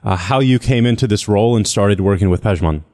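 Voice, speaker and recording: A man hosting an interview podcast, relaxed and conversational. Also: fairly low pitch, brisk. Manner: relaxed conversational, uses "y'all". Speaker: podcast host.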